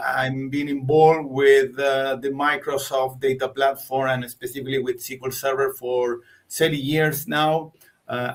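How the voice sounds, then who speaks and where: Hesitant Argentinian man presenter. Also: medium pitch. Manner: hesitant, with fillers and repeated words. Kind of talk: tech webinar talk.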